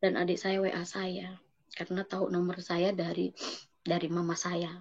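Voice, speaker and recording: A woman giving an emotional personal testimony as a guest, speaking haltingly with many fillers and restarts. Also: on the low side, flat delivery, a little mellow, highs cut off.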